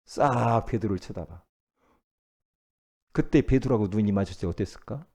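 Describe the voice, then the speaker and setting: A male pastor preaching a sermon in a folksy, colloquial way, asking rhetorical questions and acting out quoted speech, with sudden swings from loud outbursts down to near whispers. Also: fairly low pitch, expressive, normal speed, breathy edge. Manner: acts out quoted speech dramatically.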